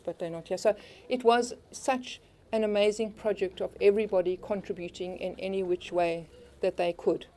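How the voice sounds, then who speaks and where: A woman's voice: medium pitch, mellow. A woman thanking helpers and staff at an opening event, talking loosely and repeating okay. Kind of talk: outdoor opening speech.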